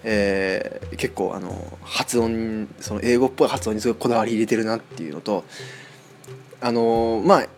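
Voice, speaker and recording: A man's voice: normal speed, a little hiss or hum. A man hosting a casual solo podcast, chatting with lots of fillers. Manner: chatty, many fillers, lively rising and falling pitch. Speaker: podcast host.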